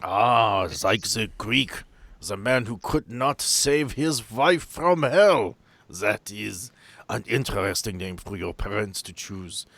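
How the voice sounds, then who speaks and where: A man voicing a measured, detached male asylum doctor who talks in a formal, precise way. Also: fairly low pitch, animated, gravelly, a bit bright, no echo, exaggerated voice. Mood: coolly formal.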